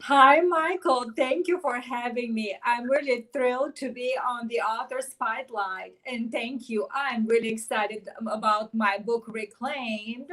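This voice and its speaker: A middle-aged woman from Bulgaria speaks as a guest, telling her life story earnestly. Her voice sits a little higher than most women's. She speaks with energy and conviction. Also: unhurried, hardly any pauses, fairly bright tone, rough recording. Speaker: author and life coach, guest. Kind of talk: personal storytelling in an interview.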